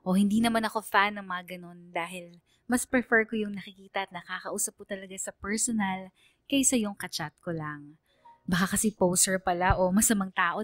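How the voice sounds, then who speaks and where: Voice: medium pitch, no echo, studio quality, lightly acted. An actor playing a young gay male student who narrates his love story to a radio DJ in a playful, confiding way. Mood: reflective. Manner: chatty, playful, self-flattering. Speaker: letter sender narrating to a radio DJ. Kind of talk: confessional first-person radio drama narration.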